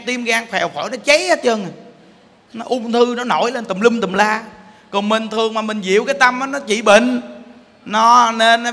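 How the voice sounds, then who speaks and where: A man with a Southern Vietnamese accent giving a Buddhist sermon, animated and joking as he puts questions to his listeners. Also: high-pitched, in a large hall. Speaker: Buddhist monk preaching.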